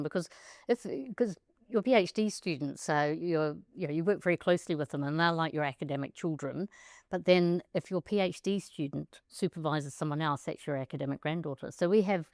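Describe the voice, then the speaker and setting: A woman with a very low voice co-hosts the conversation, chatty and playful in her teasing. She steers toward questions with a lifting, curious tone, recorded close and dry. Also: normal speed, dry recording. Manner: warm, chatty and teasing, rising pitch when she asks questions. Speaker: co-host, accounting academic. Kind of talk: conversational podcast chat. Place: outdoors by a pool.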